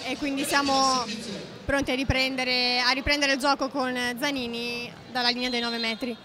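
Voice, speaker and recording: A woman's voice: sits high, little pitch movement, moderate pace, bright, forceful tone. A woman giving live play-by-play commentary on a volleyball match.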